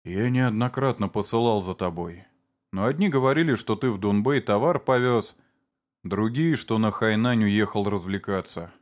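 A man doing a calm, pleading accused man. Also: on the low side, normal speed, lightly acted. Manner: calm, then pleading and tearful. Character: middle-aged man defending himself, pleading.

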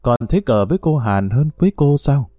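Storybook: man plays a stern middle-aged aunt, teasing yet firm, dark-toned. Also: mid-range voice, expressive, moderate pace, no echo, clean studio sound, faint music behind, lightly acted.

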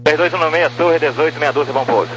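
A man's voice: on the high side, quick pace, fairly bright tone. A man working as an air traffic controller, giving terse, clipped procedural instructions over aviation radio. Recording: noisy humming aviation radio.

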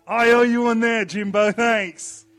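A man voicing a gentle, earnest man who insists his pet gargoyle is real, in a slow, high, wide-eyed way. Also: steady tone, soft background music. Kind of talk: audiobook character voice.

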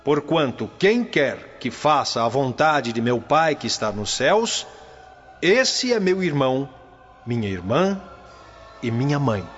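An actor with a Brazilian accent playing a solemn early Christian preacher in a radio drama, speaking in measured, declamatory phrases. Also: male voice, medium pitch, sing-song. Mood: solemn, reverent. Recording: dull lo-fi audio with music behind.

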